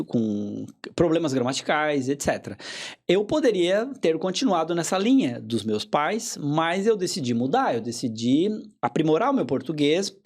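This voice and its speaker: A man being interviewed as a hypnotherapist, explaining in a measured way and repeating key phrases for emphasis. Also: fairly high pitch, breathy edge. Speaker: hypnotherapist guest.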